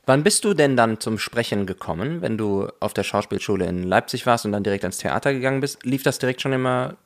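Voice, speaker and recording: A man hosting a casual interview talks quickly and with lively energy. His pitch sits in the middle range, and he chats easily with his guest while turning to address the listeners directly. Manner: brisk, animated, talks to listeners. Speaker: podcast host, voice actor and dubbing director.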